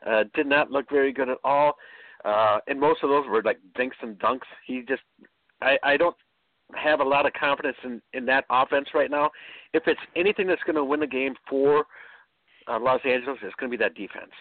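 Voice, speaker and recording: A man on a sports radio panel giving his analysis in a halting way, often restarting and repeating words. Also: mid-range voice, no room sound. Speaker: fantasy football panelist. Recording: dry, phone-like narrow band.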